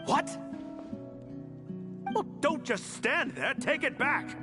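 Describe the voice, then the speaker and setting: An actor playing a brutal, greedy, gullible tribal chief in a video game, with a blustering, theatrical manner. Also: male voice, very high-pitched, animated, slow, full character voice. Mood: alarmed, desperate. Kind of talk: dramatic video game voice acting. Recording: music under the voice. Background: game music.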